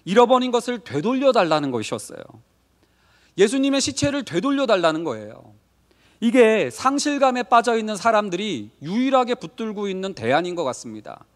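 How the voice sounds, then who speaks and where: A male pastor preaches a Wednesday sermon in a slightly high, very animated voice, with his pitch rising and falling freely. He talks with the congregation, asks them questions and briefly acts out quoted lines. The sound rings with the long reverb of a church sanctuary. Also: fairly quick.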